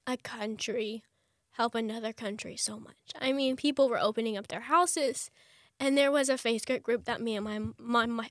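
A young woman, a chatty interview guest who talks fast with lots of fillers. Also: fairly high pitch, fairly bright tone, no echo, clean studio sound. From United States. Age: young adult. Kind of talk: conversational interview.

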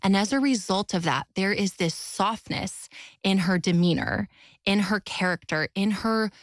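Loud, expressive woman author. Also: moderate pace, no room sound, clean studio sound. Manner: expressive, often jumps high in pitch when excited. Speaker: author and guest. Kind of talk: faith-based interview talk.

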